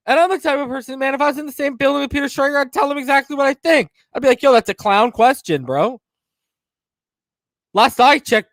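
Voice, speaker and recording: A man hosting a live sports podcast, in a casual, heated, mocking rant that swings from mumbling to loud outbursts. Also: very high voice, no echo. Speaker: podcast host.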